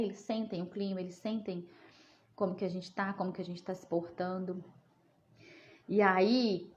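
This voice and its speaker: A woman, a psychologist answering viewer questions in a chatty live talk, often checking in with "né?". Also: medium pitch. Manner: chatty, often asks "né?", talks to viewers as "gente". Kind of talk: casual live Q&A.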